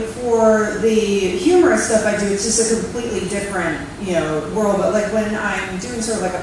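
A woman's voice: medium pitch, a little hiss or hum. Blunt woman panelist in an echoey hall. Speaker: panelist, cartoonist. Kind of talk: live panel discussion. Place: stage in a large auditorium. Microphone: handheld mic. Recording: echoey hall, distant mic.

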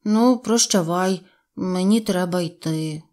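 A woman's voice: fairly low pitch, takes it slowly, a little mellow. A woman voicing a greedy, good-natured male bear cub who talks eagerly and stammers, for a storybook.

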